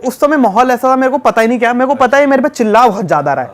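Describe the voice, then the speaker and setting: A young man from Delhi telling a travel story in a casual podcast chat, animated and acting out the scenes. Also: very high voice, racing. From Delhi, India. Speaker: travel YouTuber guest.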